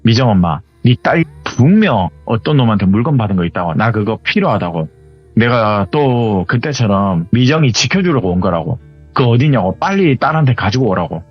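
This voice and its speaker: A man voicing a furious middle-aged shaman woman who yells crude, repetitive demands. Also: lowish voice, very animated, moderate pace, slightly rough, no echo. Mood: insistent. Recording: slightly dull audio with faint music.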